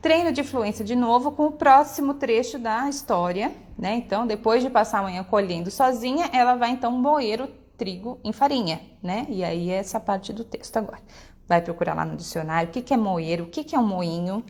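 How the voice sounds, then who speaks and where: A woman's voice: medium pitch, a little mellow. Woman explaining a workbook page by page. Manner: explanatory, frequent "né?" and "tá?" tag questions; models stressed syllables and examples aloud. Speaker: homeschool material presenter. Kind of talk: walkthrough of a workbook.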